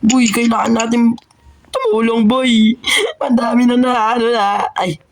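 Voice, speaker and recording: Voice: mid-range voice, expressive, measured pace, gravelly. Teasing, joking role-play gamer voice. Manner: joking, teasing banter, calling others "boy". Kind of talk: casual game role-play chat.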